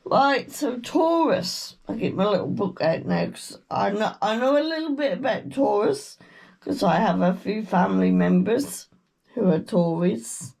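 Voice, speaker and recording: Croaky slow-talking woman. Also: mid-range voice, animated, a little mellow. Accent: British. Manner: slow, meandering, with murmured chants. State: croaky from a cold. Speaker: tarot reader. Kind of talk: casual tarot reading chat.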